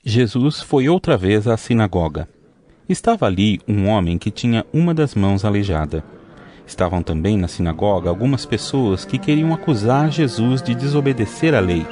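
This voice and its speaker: A man narrating an audio Bible in a steady, measured scripted reading. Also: lowish voice. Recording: music playing underneath.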